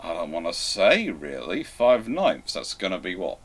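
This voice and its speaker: Halting man thinking aloud. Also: low-pitched, very animated. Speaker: host of a live question and answer stream. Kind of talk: casual live discussion.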